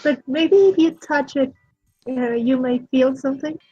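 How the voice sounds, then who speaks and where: A woman playing a tabletop role-playing game, chatting casually with a hesitant, gentle delivery. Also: high voice, steady tone, measured pace, no room sound, lo-fi sound, soft background music. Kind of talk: casual role-play chat.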